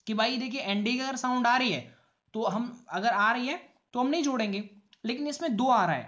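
A man teaching English in a casual explanatory lesson, often addressing viewers as "guys" and correcting himself as he goes. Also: high voice.

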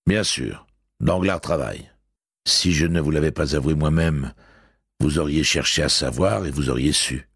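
A man's voice: rumbling low, moderate pace, fairly bright tone, husky, no echo, clean studio sound, heavily acted. A man voicing a sardonic, cold-smiling blind man who grumbles curtly in an audiobook.

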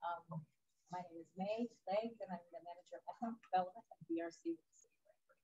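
A woman's voice: fairly low pitch, fast, warm tone, husky. A woman giving a brief, businesslike introduction at a meeting. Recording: dull, distant room pickup.

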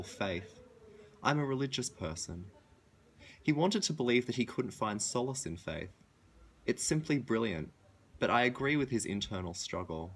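Low, animated young man reading. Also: a little hiss or hum. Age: young adult. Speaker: reader. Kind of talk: expressive reading of diary excerpts. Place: outdoors on a leafy balcony.

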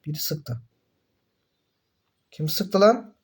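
A young man commentating his own mobile game in casual chat, excitable, groaning and cursing when things go wrong. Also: on the high side, takes it slowly, husky.

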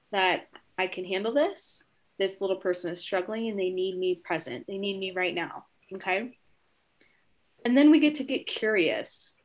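A woman giving a conversational training webinar to educators, encouraging and warm, often checking in with "right?" and acting out short exchanges with children. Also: medium pitch.

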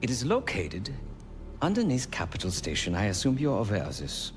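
An actor playing a calm, formal male defector and tech genius in a game cutscene, measured and precise. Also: lowish voice, background noise.

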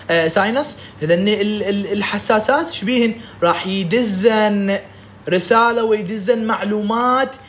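A man with an Iraqi Arabic accent giving a recorded medical lecture, lively and jokey, often checking in with his students. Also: high-pitched, a little hiss or hum.

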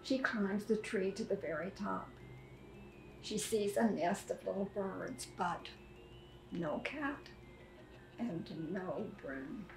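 An elderly woman reading aloud to young children as a preschool teacher, with simple, deliberate phrasing. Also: medium pitch, lively intonation, vocal fry. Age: 70s or older. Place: furnished sitting room indoors. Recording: echoey room, music behind.

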